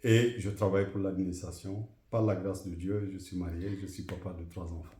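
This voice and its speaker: A middle-aged man from Guinea, answering interview questions in a measured, formal way with frequent hesitations. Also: sits low, steady tone, dark tone, roomy sound. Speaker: interview guest, association president.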